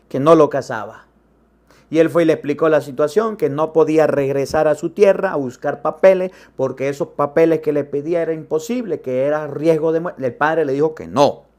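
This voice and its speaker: A man's voice: a little high, normal speed, darkish tone. A middle-aged male priest giving a sermon, telling a personal story and acting out the dialogue vividly. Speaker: Catholic priest.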